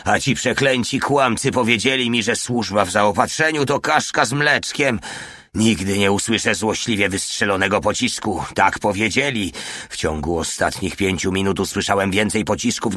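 A man's voice: fairly low pitch, moderate pace, bright, forceful tone, dry recording. A man voicing a white-haired wounded warrant officer who gasps out his despair in a war audiobook. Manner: gasping lament.

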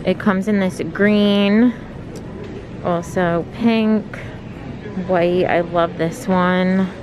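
A woman filming herself shopping for clothes in a large store, describing each item slowly, from a handheld phone. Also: on the low side, fairly even intonation, highs cut off, noisy background. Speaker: fashion vlogger. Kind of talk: shop-with-me narration. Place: large retail store, indoors. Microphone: handheld phone filming the racks.

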